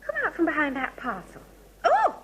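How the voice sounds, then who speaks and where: A fretful young fiancée. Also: female voice, high-pitched, huge pitch swings, moderate pace, fairly bright tone, a little hiss or hum, full character voice, poor audio. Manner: fretful, fussing. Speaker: actress in a radio sitcom.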